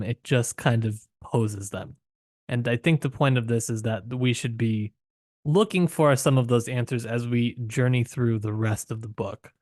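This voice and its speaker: A man's voice: medium pitch, dry recording. Man discussing books in a dry-sounding recording. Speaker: podcast co-host. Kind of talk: conversational literary discussion.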